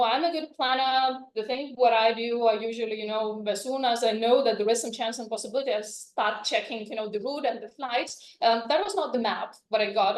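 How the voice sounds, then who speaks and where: A woman from Lithuania, a native Lithuanian speaker and language educator, giving a chatty, informal conference talk full of "you know" fillers. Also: on the high side. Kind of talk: conference presentation. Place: conference room. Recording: echoey conference room.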